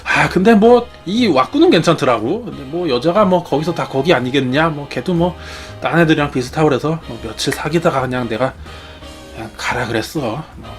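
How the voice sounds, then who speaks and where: A man's voice: fairly high pitch, animated, moderate pace, soft background music, lightly acted. A man doing a drunk, bragging mortal lover. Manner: swaggering, brash bragging.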